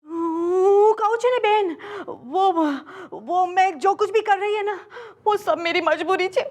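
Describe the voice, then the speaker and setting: An actress playing a tearful young housewife with a Gujarati accent, pleading in Hindi mixed with Gujarati words in a TV sitcom. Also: female voice, extremely high pitch, a little slow. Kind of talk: sitcom acting.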